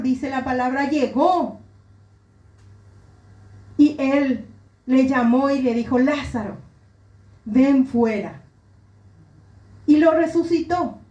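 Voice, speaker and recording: A middle-aged woman pastor with an Argentine Spanish accent delivers a heartfelt sermon testimony. Her voice sits high and she takes her time. The sound is roomy, with a clear echo around her. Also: takes it slowly, pauses often, warm tone, highs cut off. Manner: earnest, emotional personal testimony.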